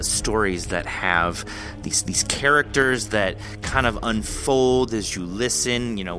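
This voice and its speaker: A man hosting a podcast interview in a conversational, effusive and wordy manner. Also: lowish voice.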